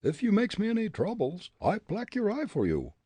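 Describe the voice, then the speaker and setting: A stubborn young detective speaks in a broken comic German accent, as a male narrator puts him on. The voice is pitched up, unhurried and unfazed. The sound is dry, close and breathy. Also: no room sound, exaggerated voice. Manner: calm, stubborn, broken English.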